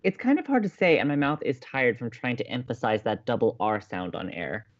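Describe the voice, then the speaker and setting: An actor plays an earnest, teasing college radio co-host in a scripted audio comedy, sociable and keen on romance. The pitch swings in a lively way with theatrical emphasis, and the sound is slightly dull. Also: brisk, dry recording, natural voice. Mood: playful.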